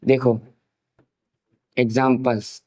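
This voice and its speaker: Indian guy teaching english grammar online, talks slow and steady, spells out examples word by word. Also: medium pitch, rough recording. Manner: explains step by step, dictates examples word by word; mixes English terms into Hindi explanation. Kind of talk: online classroom lesson.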